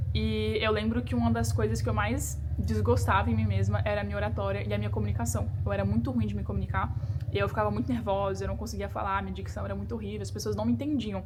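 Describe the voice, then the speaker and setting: A woman's very deep, low voice with ordinary pitch variation, a very fast pace and hardly any pauses, plus audible room echo and noticeable background noise. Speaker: online entrepreneur and YouTuber. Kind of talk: motivational talk to camera.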